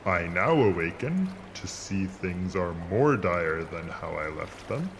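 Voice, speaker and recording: A man's voice: sits low, sing-song, slow, heavily acted. A man playing an ancient, immortal sea monster in an audio drama, speaking in a grand, stern, formal and scornful way. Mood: solemn, grave. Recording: clear watery ambience noise behind voice.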